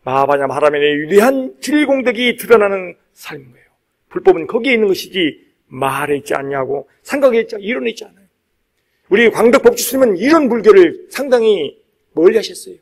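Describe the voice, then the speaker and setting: High-pitched man preaching an emphatic Buddhist sermon. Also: very animated, fairly quick. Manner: emphatic, repeats key phrases for stress. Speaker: Buddhist monk giving a dharma talk.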